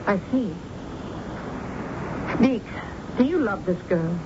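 A woman's voice: medium pitch, lively intonation, slow pace. An actress playing a well-to-do, controlling middle-aged mother with polished diction in a radio drama. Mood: surprised, probing. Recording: muffled, noisy old radio broadcast.

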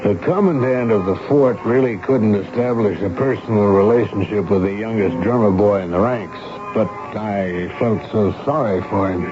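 An actor playing a kindly, measured army major, a fort commandant with educated speech, in a 1970s radio drama. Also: male voice, on the low side, music in the background, natural voice. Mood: wistful, reflective. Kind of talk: 1970s radio drama acting, first-person narration and dialogue. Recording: dull, noisy old radio broadcast recording.

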